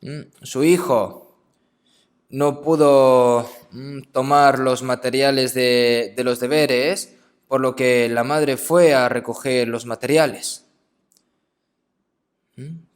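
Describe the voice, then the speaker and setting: A man preaching a sermon in a conversational way, often adding short questioning tags, softening and slowing down when telling stories. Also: mid-range voice, fairly even intonation, clean tone.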